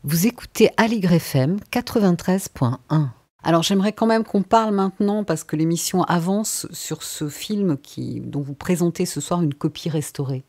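A woman hosting a radio interview, briskly steering the conversation. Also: lowish voice, a little mellow. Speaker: radio host.

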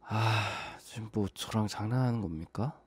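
A man acting out a late-night phone call with a stranger in a whispered role-play, speaking in a hushed, calm voice that turns urgent and reassuring. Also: fairly low pitch, a little slow, slightly rough.

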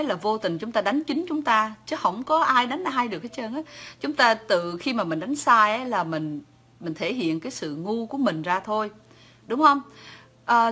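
A woman's voice: medium pitch, bright, forceful tone, husky. A woman with a Southern Vietnamese accent, chatting casually on a livestream and answering viewers' comments, talkative and teasing, laughing often. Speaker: livestream host.

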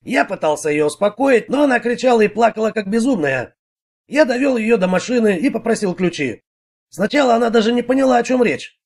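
A man voicing an irritable middle-aged bricklayer who answers the police in a gruff, defensive way. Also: very high-pitched, lively intonation, brisk, full character voice. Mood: recounting.

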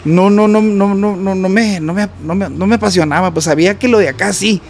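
A man with a Mexican accent, a guest musician telling a story in a casual interview, animated and repetitive, sometimes mimicking notes with "ta ta". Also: high-pitched, brisk, creaky, slight background noise.

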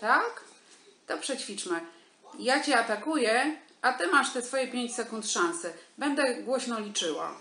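Woman acting a bright-voiced stern army major. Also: fairly high pitch, unhurried, heavily acted. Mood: stern, deadpan. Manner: clipped, commanding, deadpan questioning. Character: stern, dry female army major interviewing a recruit. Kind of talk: radio comedy play. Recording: roomy home recording with music.

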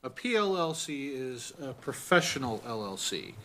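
A man, a business attorney on a panel, explaining legal business structures in a measured way to an audience in a council chamber. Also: medium pitch, big pitch swings, fairly bright tone. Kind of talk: answering audience questions on a panel.

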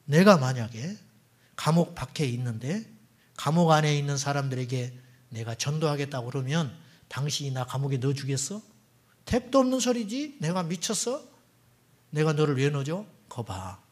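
A man's voice: a little high, animated, moderate pace. A man voicing an imprisoned Christian nobleman who answers his jailer with bold, matter-of-fact retorts. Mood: defiant.

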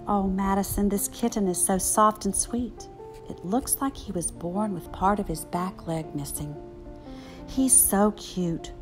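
A woman voicing a kind, reassuring grandmother who gently instructs a child in a picture book. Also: mid-range voice, unhurried, over music, voice pushed down, close to an everyday voice.

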